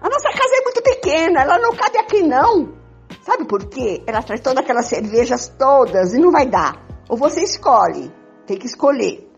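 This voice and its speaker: An older woman playing a pleading, jealous, melodramatic wife in an amateur radio soap opera, with a husky voice. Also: sits high, big pitch swings, moderate pace, full character voice. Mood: exasperated. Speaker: amateur participant in a radio play. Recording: dull lo-fi audio with music.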